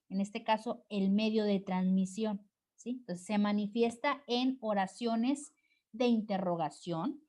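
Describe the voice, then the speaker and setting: A woman's voice: on the high side, a little mellow. A Mexican woman teaching a class, explaining step by step and often checking with her students. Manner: explanatory, frequent check-ins with "¿ok?" and "¿sí?". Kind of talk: recorded online class lecture.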